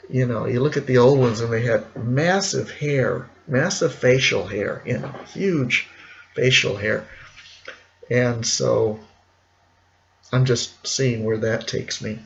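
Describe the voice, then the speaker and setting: Middle aged guy rambling on his vlog, gravelly hoarse voice, really slow, muffled lo-fi sound. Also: mid-range voice, steady tone. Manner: rambling, reflective, slow with pauses. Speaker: vlogger. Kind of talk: casual personal vlog.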